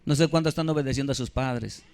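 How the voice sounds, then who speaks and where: A man's voice: medium pitch, fast, creaky, darkish tone, clean tone. A man, preaching a sermon as pastor with emphasis, keeps putting questions to the congregation. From Mexico. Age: 50s.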